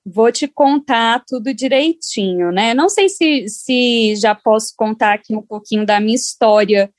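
A woman's voice: fairly high pitch, moderate pace, dry recording, clean studio sound. A woman from Brazil with a Brazilian accent, chatting casually as an interview guest and often seeking agreement. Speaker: podcast guest.

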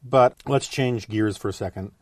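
A man hosting a podcast, chatty and relaxed with many fillers. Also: lowish voice, moderate pace, no echo, studio quality. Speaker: podcast host. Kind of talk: casual podcast interview.

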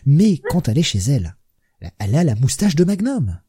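A man's voice: fairly high pitch, sing-song, normal speed, dark tone, breathy edge, dry recording, clean studio sound. A man co-hosting a podcast, joking and rambling with many fillers. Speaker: podcast co-host. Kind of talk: casual chat.

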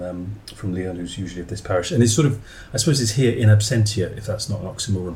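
Deep-voiced, mellow male podcast host. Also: a little hiss or hum. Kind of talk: casual chat, podcast introduction.

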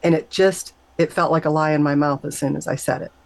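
A woman's voice: steady tone, brisk, gravelly, dry recording, low-quality recording. A middle-aged woman, a guest on an interview show, telling her personal story in an earnest, conversational way. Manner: earnest, acts out quoted voices with high pitch jumps. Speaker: guest sharing a near-death story.

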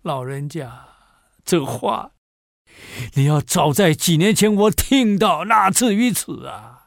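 A man's voice: a little high, animated, creaky, no room sound, clean studio sound, voice pushed up, heavily acted. A man doing a tearful, remorseful old emperor. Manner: weeping, soft, drawn-out lament.

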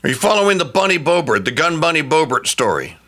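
A man's voice: a little high, sing-song, fast talker, sharp tone. A middle-aged man hosting a talk radio show, delivering an emphatic opinion monologue that often stumbles into repeated restarts.

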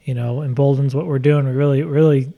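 A man co-hosts a local food podcast, rambling a bit with plenty of "you know," fillers and restarts in casual chat. His medium-pitched voice is steady and a little fast with vocal fry, and the audio sounds narrow and tinny.

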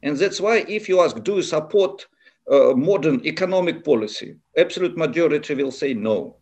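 A man with a Russian accent, speaking non-native English in a halting way as he gives unscripted political analysis in an interview. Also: on the high side, animated, darkish tone.

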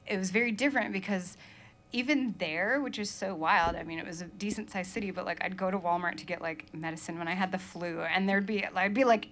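A woman's voice: mid-range voice, brisk, a bit bright, a little hiss or hum. A young adult woman from Maine, a musician chatting casually in an interview, laughing often and filling her talk with "like" and "um". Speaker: musician guest.

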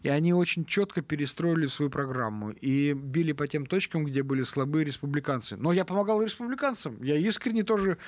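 A man's voice: a little high, animated, fairly quick, hardly any pauses, no room sound. A middle-aged man, a radio correspondent, telling his story in casual studio conversation, hesitating often with fillers and restarts.

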